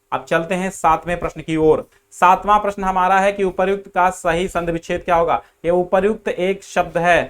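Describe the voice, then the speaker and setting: Clear high-voiced male tutor. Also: fairly bright tone. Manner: explains step by step, repeats answers, addresses students as beta. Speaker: Hindi grammar teacher. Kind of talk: online exam-prep class.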